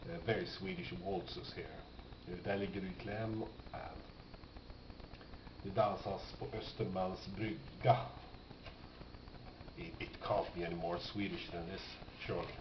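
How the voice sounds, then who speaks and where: A man talks slowly and informally, as if thinking aloud while showing off a collection. He often puts questions to himself as he goes. The sound is dull and lo-fi, with a clearly echoing room around him. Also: low voice, steady tone. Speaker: record collector presenting finds. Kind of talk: casual off-the-cuff show-and-tell commentary. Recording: dull lo-fi, noisy, roomy sound.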